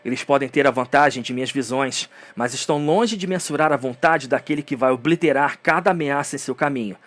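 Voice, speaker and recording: A man's voice: medium pitch, fairly quick, a bit bright. A man with a Brazilian accent narrating a story in a solemn, theatrical, dramatic scripted style.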